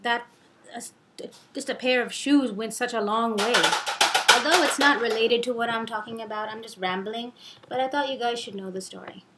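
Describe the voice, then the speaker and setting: A young adult woman telling a personal story in a casual, animated, rambling way, acting out the dialogue as she goes. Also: fairly high pitch, normal speed, very noisy.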